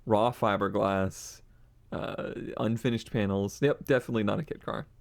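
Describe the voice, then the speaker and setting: A man's voice: lowish voice, moderate pace, vocal fry. A man co-hosting a casual podcast chat about old project cars, joking and laughing often. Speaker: podcast co-host.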